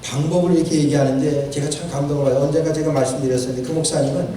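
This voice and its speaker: A man's voice: fairly high pitch, fairly even intonation, very fast, warm tone, slight background noise. A male pastor preaching a sermon, repeating phrases for emphasis and quoting scripture. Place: church sanctuary. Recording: echoey church hall from a distant mic.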